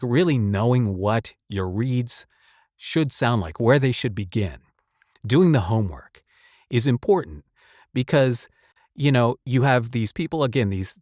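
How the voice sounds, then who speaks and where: A man's voice: medium pitch, a little mellow, no room sound, studio quality. A man speaking as a voice actor giving casual advice, rambling and emphatic in a conversational way. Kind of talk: casual advice talk to camera or mic.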